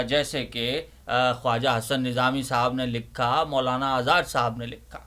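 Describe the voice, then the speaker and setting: A man playing a bookish old librarian uncle, giving theatrical, emphatic Urdu-literature readings with deliberate repetition. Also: medium pitch, bright, forceful tone, close to an everyday voice. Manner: emphatic, deliberate, repeats phrases rhetorically. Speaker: host, dramatic reader of Urdu literature. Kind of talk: theatrical dramatic reading and monologue.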